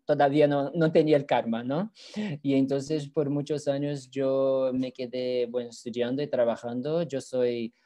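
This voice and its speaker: A man in his thirties from Brazil with a Brazilian Portuguese accent, a native Portuguese speaker telling his story informally in a halting Spanish-Portuguese mix. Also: medium pitch, dark tone, no echo. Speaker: Buddhist monk introducing himself. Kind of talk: informal personal account. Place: small room indoors. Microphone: wired earphone mic on video call.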